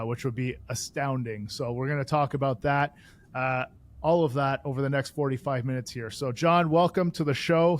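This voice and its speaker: A man hosting a podcast, interviewing in a conversational style. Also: mid-range voice. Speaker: podcast host.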